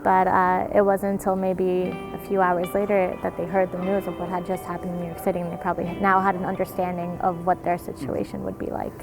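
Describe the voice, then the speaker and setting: A woman's voice: on the low side, completely flat delivery, fairly quick, few pauses. Woman explaining history over background music.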